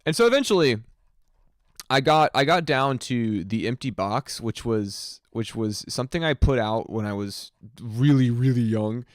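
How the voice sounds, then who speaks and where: A man's voice: medium pitch, lively intonation, unhurried, dry recording, clean studio sound. A man in his twenties chatting casually on a music livestream, rambling and reflective with many fillers. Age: 20s. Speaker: music streamer.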